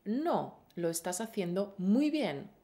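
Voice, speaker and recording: A woman's voice: mid-range voice, big pitch swings, slow, warm tone. A woman co-hosting a Spanish-learning podcast, teaching in a playful, encouraging way with pet names. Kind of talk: lively scripted lesson.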